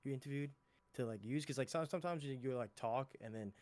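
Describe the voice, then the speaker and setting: A man's voice: medium pitch, fast talker, darkish tone. A man on a casual call, asking questions in an upbeat, chatty way with lots of fillers. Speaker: caller.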